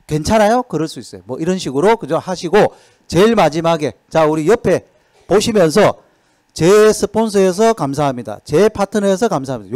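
Guy lecturing a sales seminar, pitch jumping all over, kinda highish voice, dry close sound. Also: no echo. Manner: lively, with frequent rhetorical questions to the audience. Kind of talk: motivational lecture. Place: lecture hall at a training center.

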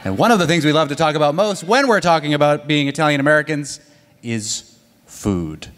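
A man's voice: on the high side, expressive, fairly quick, fairly bright tone, a little hiss or hum. A man hosting a live storytelling event, introducing tellers with chatty, humorous asides. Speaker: event host. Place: stage in a hall. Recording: long hall reverb.

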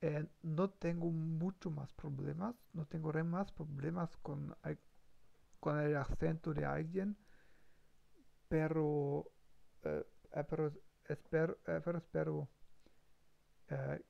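A man's voice: on the high side, fairly even intonation, takes it slowly, creaky, pauses often. A man practicing on a live stream, hesitant, full of fillers and self-corrections. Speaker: language learner streamer. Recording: dull lo-fi stream mic.

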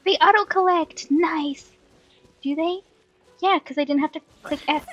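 Girl with rly high voice doing a lets play, talking to herself, kinda muffled mic, game music behind. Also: a little slow. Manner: playful, exclaiming, mutters to herself. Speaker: let's play host. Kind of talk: casual gaming chat, thinking aloud.

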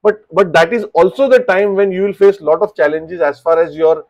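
An animated man in his thirties speaks with an Indian English accent, his voice sitting a little high for a man as he coaches restaurant owners. He talks straight to a desk webcam in a small room, restarting and repeating phrases as he explains. The sound is slightly dull and lo-fi. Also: normal speed. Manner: animated, gestures with both hands, repeats words while explaining. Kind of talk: direct-to-camera advice talk. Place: small indoor home office.

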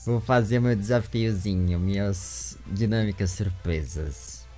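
A man in his twenties with a Brazilian accent, hosting a casual interview in an animated, rambling way, speaking into a close desk microphone at home. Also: on the low side, a little slow, faint music behind. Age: 20s. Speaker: interviewer and show host. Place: small room with bookshelves at home. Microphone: large desk microphone with foam windscreen, close.

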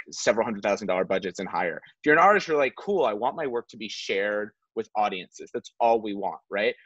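A man in his thirties talking earnestly and haltingly at a roundtable over a video call, hedging as he makes an impassioned point. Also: medium pitch, fairly bright tone. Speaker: theatre artist, panel guest. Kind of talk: impassioned casual roundtable talk. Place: living room at home, on a video call. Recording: muffled, roomy video-call audio.

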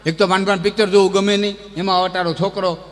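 A man telling folk tales on a live stage, lively and chuckling, chanting verses between the stories. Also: high-pitched, fast talker. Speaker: folk storyteller. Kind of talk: folk storytelling with recited verse. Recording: long hall reverb with music behind.

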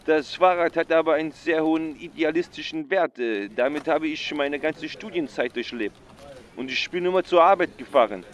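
Guy doing a flustered secret agent caller, stammers a lot, bit high, faint street noise. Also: normal speed, lightly acted. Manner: stammering, constant ums. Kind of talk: radio play acting.

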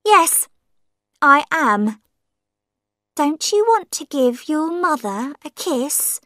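A woman's voice: sits high, sing-song, takes it slowly, a bit bright, no room sound, studio quality, pitched above the performer's own voice, heavily acted. A woman voicing an old woman with a painted face who taunts and wheedles her grown son in a storybook reading. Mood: wheedling. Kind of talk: audiobook character voice.

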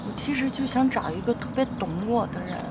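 An earnest young lover, outdoors. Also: female voice, on the high side, quick pace, gravelly, heavy background noise. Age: young adult. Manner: earnest, confiding. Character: earnest young woman in love. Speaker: girlfriend. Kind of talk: TV drama acting.

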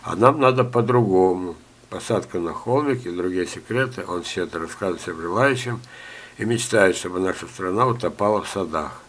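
Coughing older man with a low voice. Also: normal speed, a bit bright. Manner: coughs often, chatty asides and jokes. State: ill, coughing. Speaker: gardening teacher. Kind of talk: screen-share talk reading viewer letters.

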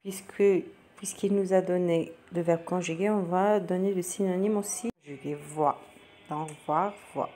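A woman's voice: lowish voice, steady tone, a little slow, mellow. A woman explaining a primary-school practice exam step by step to children, patiently repeating each question before answering it. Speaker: teacher going over a practice exam. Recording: faint background noise.

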